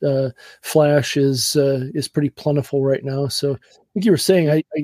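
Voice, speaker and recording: In a very clean recording with a silent background, a man with an American accent speaks at a fairly high pitch in a dark, mellow tone, the sound dry and close with no echo. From western Wisconsin. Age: 60s. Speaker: IT and server professional. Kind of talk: casual chat. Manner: halting.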